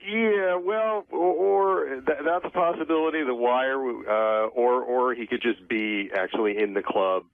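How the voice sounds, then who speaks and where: A man's voice: mid-range voice, measured pace, gravelly, hardly any pauses, no room sound. A man being interviewed on a radio show, explaining things in a hesitant, accommodating way. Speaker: show guest. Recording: dry, thin phone-like radio line.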